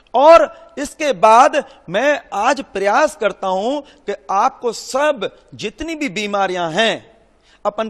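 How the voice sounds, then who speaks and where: Dry and close with no echo, the recording catches a man at an extremely high pitch, using ordinary pitch variation. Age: 60s. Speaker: health seminar speaker. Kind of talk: health seminar talk. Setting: stage with audience.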